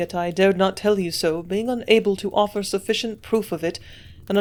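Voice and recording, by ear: The speaker is reading aloud. The delivery is in a natural voice.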